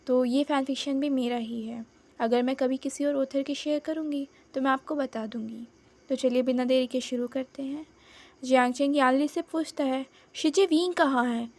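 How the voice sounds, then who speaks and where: A woman's voice: sits high, a little mellow. A young woman narrating her own fan fiction in a chatty, dramatic storytelling manner.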